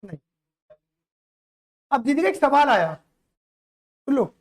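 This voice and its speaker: A man's voice: very high-pitched, big pitch swings, slow pace. A man teaching accountancy to a live class, playful and teasing as he keeps quizzing the students.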